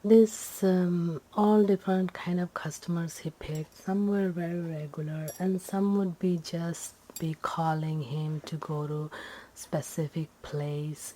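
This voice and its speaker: A woman telling a ghost story in ASMR style, soft and breathy, often slipping into a whisper, with halting, simple, repetitive phrasing. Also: deep voice, slight background noise, poor audio.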